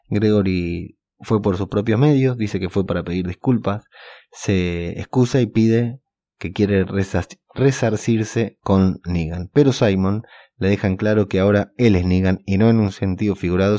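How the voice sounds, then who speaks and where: A man, hosting a podcast and recapping a TV episode scene by scene in a steady retelling with occasional filler pauses. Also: low voice, no echo. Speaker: podcast host. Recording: dull, dry lo-fi recording.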